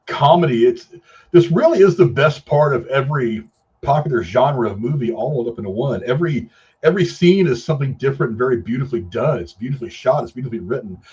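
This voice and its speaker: A man's voice: mid-range voice, lively intonation, fast talker, a little mellow, husky, lo-fi sound. A man hosting a film review show, chatting casually and gushing with emphatic repetition.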